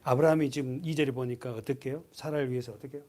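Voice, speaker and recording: A man's voice: mid-range voice, quick pace. A male pastor preaching a sermon to his congregation, asking them questions and acting out voices. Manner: lively, asks the congregation questions, acts out voices.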